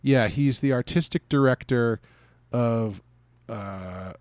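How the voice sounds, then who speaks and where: A man's voice: mid-range voice, darkish tone, no echo. Dry-sounding man in casual podcast chat. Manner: informal, halting, searching for words. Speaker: podcast co-host.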